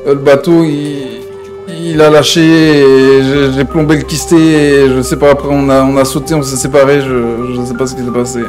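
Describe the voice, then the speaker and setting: A man's voice: medium pitch, level tone, normal speed, darkish tone, faint music behind. A man streaming an online roleplay game, talking in casual, slangy improvised chat with frequent swearing and repeated pet phrases. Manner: repeats verbal tics, swears freely.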